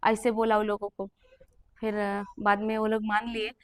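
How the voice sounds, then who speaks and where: A woman's voice: mid-range voice, completely flat delivery, moderate pace, clean tone, no echo, studio quality. A young woman, telling her personal Christian testimony in an earnest, emotional way. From Jharkhand, India. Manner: earnest and emotional, acting out the people she quotes. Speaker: testimony giver.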